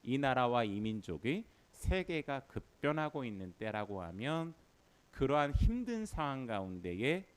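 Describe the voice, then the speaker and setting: A male pastor delivers a Sunday sermon in a church sanctuary. His pitch rises and falls freely as he talks, and he coaxes the congregation into repeating lines back to him. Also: measured pace. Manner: lively, leads the congregation in call-and-response. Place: church sanctuary during worship.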